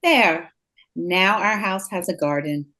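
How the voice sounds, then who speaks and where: A woman's voice: on the low side, takes it slowly, sharp tone. A woman playing an earnest, hopeful ghetto wife and teacher in a stage drama, speaking emphatically. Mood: hopeful, pleading.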